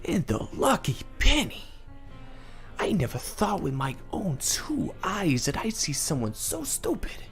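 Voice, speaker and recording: A man's voice: on the high side, huge pitch swings, measured pace, soft background music. An actor playing a smug, gloating police officer in an audio drama, drawling his taunts. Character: smug, slow-talking male officer Klein.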